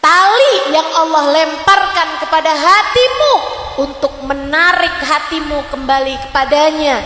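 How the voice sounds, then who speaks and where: Slow high-voiced woman preacher, echoey hall. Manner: slow, rhythmic repetition, acting out prayers in a soft lower voice. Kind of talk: religious talk to women. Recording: echoey hall with faint ambience.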